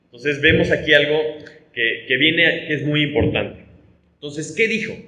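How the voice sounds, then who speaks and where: A man's voice: a little high, normal speed, pushed and bright, roomy sound, rough recording. A man from Mexico with a Mexican Spanish accent, a pastor teaching a conversational Bible study, explaining with rhetorical tags and frequent restarts.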